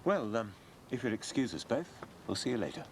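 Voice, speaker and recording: An actor playing a pompous, officious middle-class neighbour in a TV soap. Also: male voice, medium pitch, very animated, brisk, a little hiss or hum. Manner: formal, officious. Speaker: residents' association neighbour. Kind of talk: TV soap acting.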